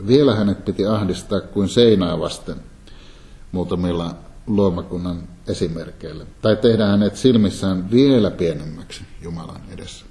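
Man, Bible lecture, low voice, mellow tone, calm measured scripture reading. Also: creaky.

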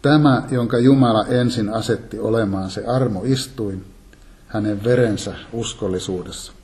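A man giving a calm, measured Bible teaching sermon, reading and explaining scripture. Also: fairly low pitch. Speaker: preacher.

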